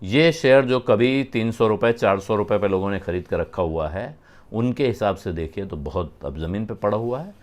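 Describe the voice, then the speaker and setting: A man giving conversational business news commentary, explaining financial terms and pausing often with "uh". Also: fairly low pitch, expressive.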